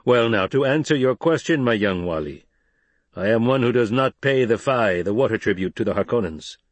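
A man's voice: mid-range voice, expressive, moderate pace, no room sound, close to an everyday voice. A man playing a tall, stern desert tribal leader in an audiobook, speaking formally and with authority. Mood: proud, challenging.

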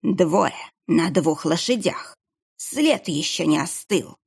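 A woman voicing a cruel, sinister monk who hisses his words slowly. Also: fairly low pitch, lively intonation, gravelly, a little mellow, slightly rough, exaggerated voice. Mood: cold command. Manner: hissing, slow and drawn out. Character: sinister hooded male monk, menacing and cruel.

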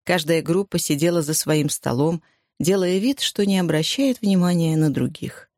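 A woman's voice: deep voice, moderate pace, a little mellow, dry recording. Woman reading a novel, dry close sound. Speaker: audiobook reader. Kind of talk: scripted narration.

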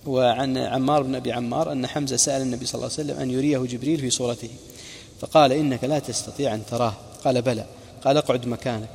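Gravelly-voiced man teaching religious history. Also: mid-range voice, fairly even intonation, rapid-fire, a little mellow, big-room sound, slight background noise. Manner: narrates reports and quoted speech with brief asides. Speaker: preacher.

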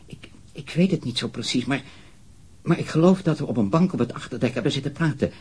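Husky, volatile murder suspect. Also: male voice, medium pitch, expressive, darkish tone. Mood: evasive, hesitant. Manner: halting, repeating himself, defensive. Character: disturbed, prudish, evasive murder suspect, easily enraged. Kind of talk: radio crime drama acting.

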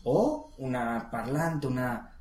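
Woman tutor, patient, models words slowly; roomy echo. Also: a bass voice, expressive, darkish tone. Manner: patient, coaching, models pronunciation. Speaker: English teacher. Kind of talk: one-on-one language lesson. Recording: echoey room.

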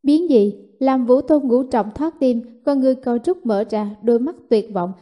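A woman narrating a martial fantasy novel in steady, even storytelling. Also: high voice, normal speed. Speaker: audiobook narrator.

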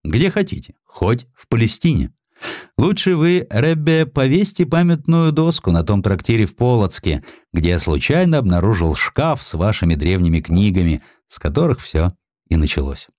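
A man's voice: fairly low pitch, sing-song, moderate pace, a little mellow, no echo, studio quality. A man voicing an aging, stubborn Russian scholar in dramatised audiobook dialogue, with an emphatic, declamatory manner. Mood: wry, insistent.

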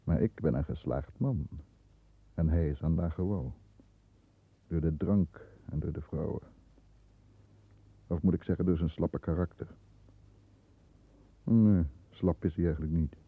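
An actor playing a stern, disdainful middle-aged lawyer who narrates his own thoughts in a measured way in a 1960s radio drama, heard on a muffled old recording. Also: rumbling low, slightly rough, no room sound, exaggerated voice. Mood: reflective, severe. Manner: measured, introspective first-person narration.

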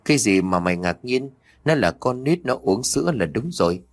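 A man's voice: mid-range voice, animated, normal speed. A man voicing a possessed young man who barks threats and wails. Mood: menacing. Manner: gruff, barking, threatening. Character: possessed young man, menacing, rude and hungry.

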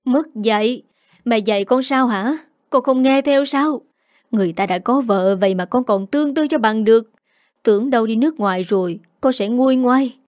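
Angry middle-aged mother, scolding hard, mellow low-toned delivery, read by a woman narrator. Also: fairly quick, no room sound, studio quality, lightly acted. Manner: scolding, sharp rebukes.

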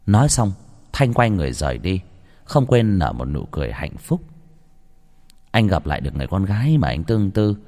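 Expressive male ghost story narrator. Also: brisk, long reverb tail. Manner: expressive, swinging pitch and pace.

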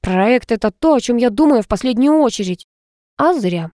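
A woman doing a moody young woman student, curt, sharp, dry sound. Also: fairly high pitch, expressive, normal speed, no echo, pitched above the performer's own voice, close to an everyday voice.

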